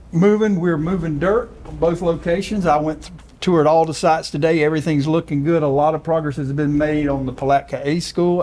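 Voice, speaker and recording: A man giving a project overview as architect, brisk and upbeat, in short sentences. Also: fairly high pitch, a little mellow, slight background noise.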